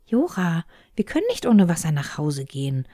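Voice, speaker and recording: A woman voicing a brave, quick-thinking little girl in a storybook reading, speaking eagerly and insistently. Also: dry recording, clean studio sound. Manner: eager, excited, high and insistent.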